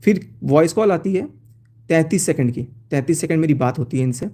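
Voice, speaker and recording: A man's voice: fairly high pitch, lively intonation, a little fast, dark tone. A man talking on a phone live stream, laying out his side in an aggrieved, accusing way as he reads out chat messages. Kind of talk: casual live-stream talk, reading out chats.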